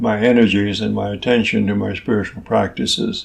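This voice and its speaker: A man talks at a moderate pace. He has a Midwestern US accent. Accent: General American, Midwestern. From US Midwest, Ohio. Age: 80s+. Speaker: meditation teacher. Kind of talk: interview. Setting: meditation center.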